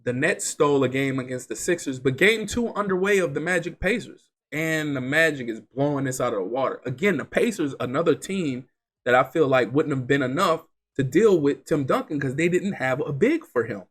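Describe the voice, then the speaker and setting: His voice on the high side and his pace a little fast, a congested gaming channel host, still getting over an illness, offers casual commentary on a basketball game simulation. He's chatty and excitable, firing off player statistics.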